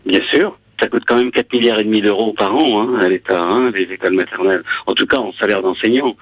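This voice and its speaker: A man's voice: lowish voice, no echo, lo-fi sound. A man with a French accent from France, his voice electronically altered for anonymity, arguing in a radio interview with hesitations and repeated words. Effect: voice changer, electronically altered voice for anonymity. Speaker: interview guest, school inspector and author.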